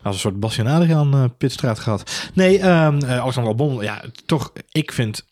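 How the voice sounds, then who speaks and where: A man co-hosting a casual racing podcast, talking quickly with many fillers and dry jokes. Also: medium pitch, expressive, a little mellow, no echo. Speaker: podcast co-host. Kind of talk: casual Formula 1 chat.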